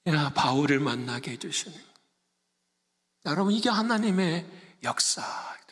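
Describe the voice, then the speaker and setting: A Korean man preaching a sermon, throwing questions at his congregation and answering them himself. His voice sits high and swings widely, with a bright, forceful edge. It rings out in a large church with a long reverb. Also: lively intonation, normal speed. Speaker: pastor.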